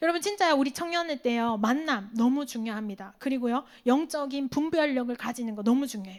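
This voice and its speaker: An animated, high-pitched woman's voice at a fairly quick pace. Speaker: evangelist preaching to young adults. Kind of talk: sermon. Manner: conversational, animated.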